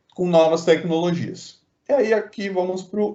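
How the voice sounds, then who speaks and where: Very slow in pace, a man speaks at a high pitch. His intonation remains fairly even. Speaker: university lecturer. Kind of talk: online lecture.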